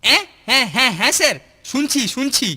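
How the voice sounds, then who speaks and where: Boastful sneaky cartoon school bully, highish cocky voice, loud music behind. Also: male voice, fast. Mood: eager. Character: scheming, boastful schoolboy bully, eager to please teacher. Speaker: cartoon voice actor. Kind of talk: Bengali children's cartoon dialogue.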